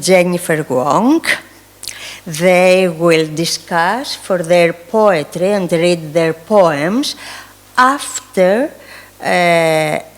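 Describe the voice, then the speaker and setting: Amid noticeable background noise, a woman with a Greek accent speaks very slowly at a fairly low pitch. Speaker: event organiser. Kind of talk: event welcome speech. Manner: halting.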